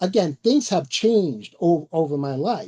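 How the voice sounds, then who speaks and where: With a New York accent, a man speaks at a high pitch in a dark, mellow tone and lively intonation. His fairly slow delivery sounds dry and close, with no echo. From New York, Long Island. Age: 50s. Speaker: online video host. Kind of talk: casual monologue. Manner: halting, many fillers and restarts.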